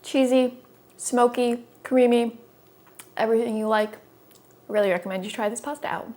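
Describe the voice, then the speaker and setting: A woman's voice: on the high side, fairly even intonation, moderate pace, warm tone. Chatty young woman cooking at home. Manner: chatty, upbeat, explains as she cooks. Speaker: cooking video host. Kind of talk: casual cooking demonstration. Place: home kitchen, indoors. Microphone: small lapel mic.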